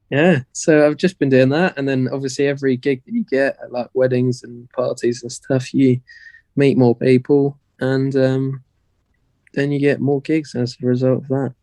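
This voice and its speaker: A young British man on a podcast, talking casually as a guest, hoarse and rambling with many fillers. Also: mid-range voice, little pitch movement, a little slow, dark tone, dry recording. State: losing his voice. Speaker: guest magician.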